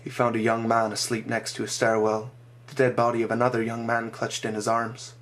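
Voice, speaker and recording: A man reading his own dramatic short story aloud, measured and slowing for grim moments. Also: mid-range voice, monotone.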